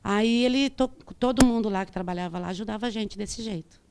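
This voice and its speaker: A woman speaks as a witness at a formal hearing, hoarse from a cold. Her voice still carries smooth and resonant underneath the roughness. She talks plainly and haltingly, circling back to repeat her points. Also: medium pitch, darkish tone. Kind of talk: formal testimony.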